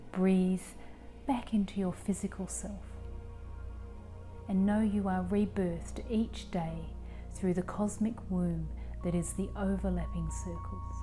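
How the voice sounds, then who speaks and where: A woman in her forties leading a guided meditation in a calm, soothing, soft voice that gets breathy at phrase ends. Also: lowish voice. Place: small living room, indoors. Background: soft music.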